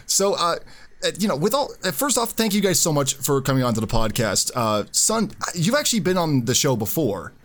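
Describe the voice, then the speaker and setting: A man's voice: fairly high pitch, sing-song, brisk, a bit bright. A man hosting a casual podcast, chatty and talkative, with filler words and restarts. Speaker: podcast host.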